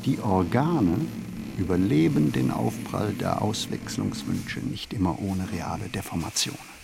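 A low male voice gives the inner monologue of a brooding city flaneur. He phrases deliberately and reflectively, observing everything around him as in a literary radio play. Clear ambient noise sits behind the voice. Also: sing-song, heavily acted. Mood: brooding, grave.

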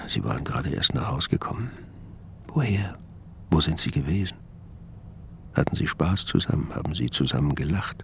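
Brooding, jealous husband. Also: male voice, deep voice, heavily acted. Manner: gravelly, measured, often whispered. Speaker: narrator, husband and stepfather. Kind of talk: radio play inner monologue.

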